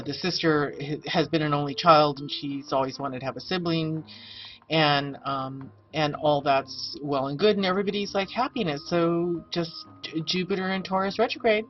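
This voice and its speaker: A woman in her fifties, an astrologer, chatting through a rambling personal update with many fillers. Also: low voice. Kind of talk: casual personal vlog update. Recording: dull lo-fi webcam audio, faint music.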